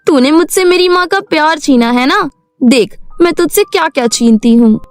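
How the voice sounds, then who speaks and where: A woman voicing a jealous, spiteful fairy girl, the older sister, in a sharp and scornful way. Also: very high-pitched, moderate pace, dry recording, faint music behind, voice pushed up. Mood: gloating.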